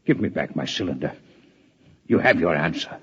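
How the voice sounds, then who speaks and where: An actor playing an ailing alien scientist in a 1950s radio drama, speaking in a formal, deliberate, lecturing way. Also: male voice, low voice, lively intonation, fairly bright tone, slightly rough, full character voice. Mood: weak, insistent. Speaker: doctor. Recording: dull, muffled old radio recording.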